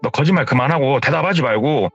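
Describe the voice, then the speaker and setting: A man's voice: mid-range voice, lively intonation, fast talker, slightly rough, muffled recording, faint music behind. A man voicing a bossy teenage older brother who scolds and swears at his little brother, in a told horror story. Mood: scolding.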